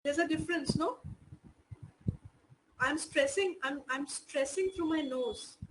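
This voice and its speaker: A woman's voice: high voice, measured pace, fairly bright tone, slight background noise, poor audio. A woman teaching an online class in Indian English, explaining patiently with many "you know" fillers.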